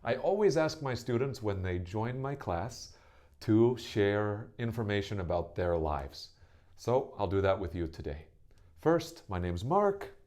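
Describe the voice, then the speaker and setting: A man's voice: on the low side, sing-song, measured pace, darkish tone. An American man in his thirties, an English teacher introducing himself to his students in an easygoing way, often checking in with "right?". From USA. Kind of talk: friendly self-introduction lesson to camera.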